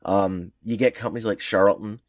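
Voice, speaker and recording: Man, low-pitched, dry recording, casual podcast chat, filler-heavy. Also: fairly even intonation, moderate pace, no echo. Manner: rambling with many fillers and restarts. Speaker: podcast co-host. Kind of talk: casual chat about comics history.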